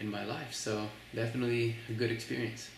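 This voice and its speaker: Over noticeable background noise and audible room echo, a man with a slight Filipino accent talks in a monotone, flat delivery at a fairly low pitch. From Philippines, moved to Corpus Christi, Texas as a child. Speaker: immigrant interviewee. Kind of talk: interview. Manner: casual, with many fillers.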